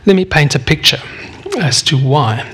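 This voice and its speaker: A man in his fifties from South Africa, preaching a sermon and sharing a personal testimony in an earnest, vulnerable way with frequent pauses. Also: on the high side, animated, a bit bright, husky. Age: 50s. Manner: earnest, vulnerable, often pausing.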